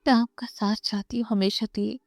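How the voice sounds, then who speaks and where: A woman's voice: medium pitch, steady tone, no room sound, studio quality, natural voice. Woman reading as a tearful, pleading young wife. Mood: desperate. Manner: pleading, soft.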